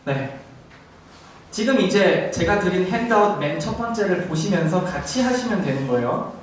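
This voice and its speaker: A man's voice: sits high, animated, moderate pace. A man teaching a TOEIC class, explaining step by step and often checking in with his students. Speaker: TOEIC instructor. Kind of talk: classroom lecture. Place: classroom in a language school. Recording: echoey classroom, distant camera mic, faint hiss.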